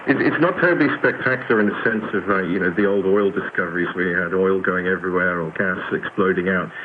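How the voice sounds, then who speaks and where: A man's voice: low-pitched, fast, background noise. A male executive explaining things as an interview guest, heard on a muffled shortwave radio broadcast.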